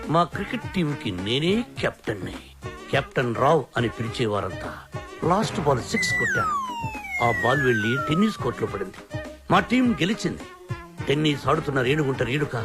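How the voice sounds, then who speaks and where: A self-important middle-aged man brags through a comic tale from his youth. His fairly high voice rises and falls a lot. Film music plays behind him. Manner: boastful, lecturing, comic storytelling. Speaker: boss and guardian. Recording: film soundtrack with background music.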